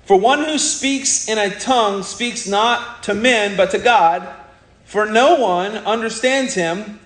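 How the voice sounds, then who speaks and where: A man from America preaching with fiery, scornful conviction. His voice sits high, and he drags out his punchlines for weight. The sound rings around an echoey room. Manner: fiery, blunt, scornful preaching with sudden slowdowns for emphasis. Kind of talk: sermon.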